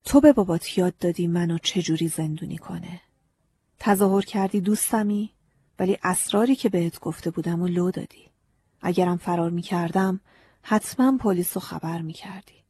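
A scarecrow who has turned into a living man, curt and cold toward the girl, as a woman reading the audiobook puts him on. The voice is very husky and warm-toned. It is recorded dry and close. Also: fairly low pitch, dry recording. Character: scarecrow come alive, grown man, gruff and aloof.

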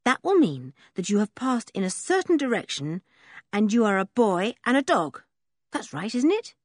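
A woman voicing a bossy, spirited tomboy girl who talks briskly and gives orders. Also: medium pitch, sing-song, dry recording, clean studio sound, pitched above the performer's own voice. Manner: brisk and commanding.

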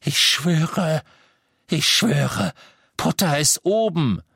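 A man voicing a desperate old father who begs in a high, frantic voice. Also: lively intonation, extremely slow, creaky, sharp tone, breathy edge, no echo, studio quality, heavily acted. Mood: begging. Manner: pleading, frantic, voice breaking high.

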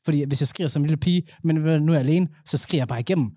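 A man's voice: fairly high pitch, warm tone, no echo, studio quality. A man chatting casually with a friend, telling stories and acting out what he says to himself. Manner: chatty storyteller, acts out his own inner talk, mixes in English. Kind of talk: casual chat.

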